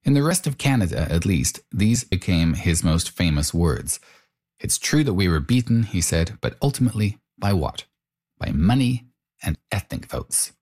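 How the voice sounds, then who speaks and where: A man with a very low voice narrates a documentary report. His delivery is measured and explanatory. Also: big pitch swings, a little mellow. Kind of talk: scripted narration and interview questions.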